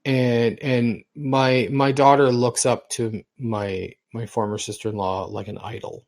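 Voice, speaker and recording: With a mid-range, darkish voice, little pitch movement and a measured pace, this middle-aged man co-hosts a relaxed podcast. He rambles through lengthy stories, repeating himself and restarting words as he goes.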